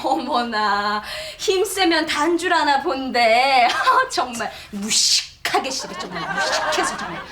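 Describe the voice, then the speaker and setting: A woman's voice: sits high, lively intonation, measured pace, few pauses, pushed and bright, slight background noise, full character voice. A woman playing a snobbish, haughty mother in sketch comedy, scolding shrilly and exclaiming a lot. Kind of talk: broadcast sketch comedy acting. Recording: echoey stage with music.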